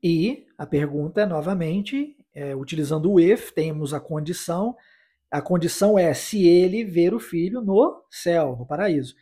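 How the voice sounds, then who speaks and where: A man from Brazil teaching English in a podcast lesson, explaining phrases and then repeating the English lines slowly for listeners to practise. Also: fairly high pitch, lively intonation, mellow, slightly rough. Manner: encouraging, with tag questions like "né?" and "tá?".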